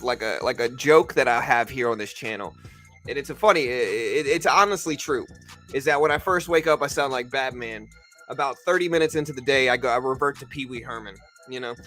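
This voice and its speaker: A man hosts a livestream from home, tired and just out of bed, rambling in a loose, laid-back way. His voice has a bright, forceful edge even when he trails off. Faint music plays behind him. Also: medium pitch, a little fast. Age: adult with a daughter. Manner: laid-back, rambling, says bro and you know a lot. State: just woke up, tired, voice deeper than usual. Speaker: livestream trading host. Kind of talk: casual livestream chat. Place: home in Texas.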